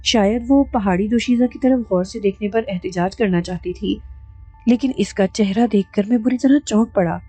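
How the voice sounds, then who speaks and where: A woman narrating a horror audiobook in a steady, dramatic storytelling manner. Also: medium pitch, slightly rough, no room sound, faint music behind.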